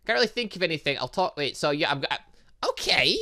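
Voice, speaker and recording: A man's voice: on the high side, big pitch swings, quick pace, gravelly, sharp tone, slight background noise. A man giving casual, chatty gaming commentary, thinking aloud as he goes. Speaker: gaming channel host. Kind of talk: casual gaming commentary, reading visual novel dialogue aloud.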